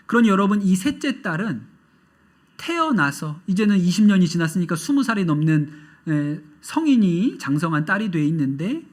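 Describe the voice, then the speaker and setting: A man preaching a sermon as pastor, telling stories gently and often quoting other people. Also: high-pitched. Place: church sanctuary.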